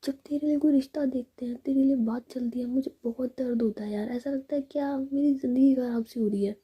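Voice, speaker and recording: A woman's voice: high voice, steady tone, brisk, breathy edge, muffled recording, pitched above the performer's own voice. A woman voicing a young woman in love, teasing and fretful, all in a whisper.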